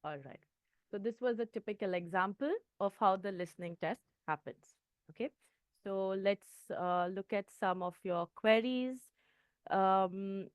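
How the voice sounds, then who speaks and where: Studio quality with no echo, this clip features a medium-pitched woman with an Indian English accent. She is an IELTS trainer teaching a test-prep lesson in a clear tone, frequently checking in with "okay."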